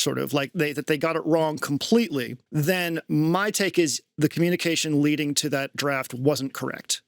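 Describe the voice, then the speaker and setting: Give a casual interview voice for a male musician. He sits a little high in pitch and has a noticeable creak. The recording is very dry and close. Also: no echo.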